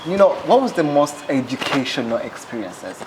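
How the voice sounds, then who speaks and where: A woman interviewer with an extremely low, deep voice, asking her questions hesitantly and filling the gaps with "uh". She keeps up murmured backchannels while her guest talks, with faint noise in the background. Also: a little fast. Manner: hesitant, many "uh" fillers, steady "mm" backchannels. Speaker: interviewer, host. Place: on location at a fashion house.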